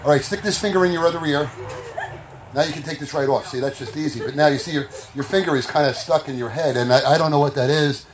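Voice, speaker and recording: A man's voice: fairly high pitch, quick pace, crowd noise. A man working as a stage hypnotist at a live comedy show, playfully teasing volunteers and repeating his words, recorded in a party tent. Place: inside a party tent, outdoors event. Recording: noisy party tent on camera microphone.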